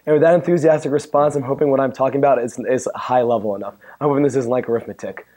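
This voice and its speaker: A man with a hoarse, worn-out voice giving a chatty, joking technical talk at a conference and bantering with the audience. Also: medium pitch, steady tone, very fast, mellow. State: hoarse, losing his voice. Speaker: conference speaker. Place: conference room. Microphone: handheld or stand mic.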